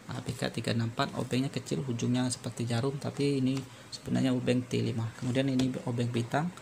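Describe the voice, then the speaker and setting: A man presenting an unscripted step-by-step repair tutorial, halting and repetitive as he explains. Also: mid-range voice, little pitch movement, creaky, background noise.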